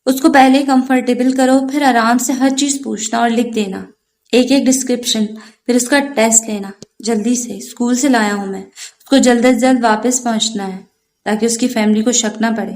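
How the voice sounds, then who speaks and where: A woman voicing a calm, caring young man who coaches a team and acts as an older brother, speaking gently. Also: a little high, natural voice.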